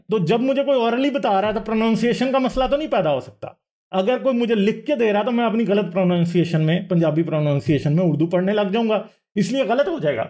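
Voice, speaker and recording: High-pitched, mellow-voiced man lecturing. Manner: explanatory, asks the audience rhetorical questions; mixes English words into speech, self-corrects. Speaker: livestream host. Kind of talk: lecture-style talk over slides.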